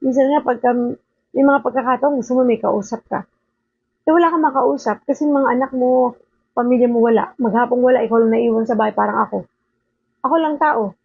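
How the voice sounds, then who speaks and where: An older woman speaks earnestly at home in an informal devotional talk, often pausing to ask her listeners to agree. Her fairly high voice has a gravelly, husky edge. The sound is thin and phone-like, with no room echo. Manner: earnest, with frequent rhetorical "di ba?". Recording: narrow phone-like sound, dry.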